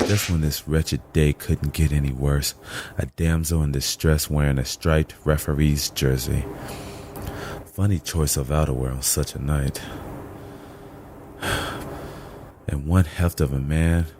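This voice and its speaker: A man playing a weary, cynical survivor who narrates an audio drama in a wry, streetwise, deliberate way. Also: a bass voice, steady tone, background noise. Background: loud music.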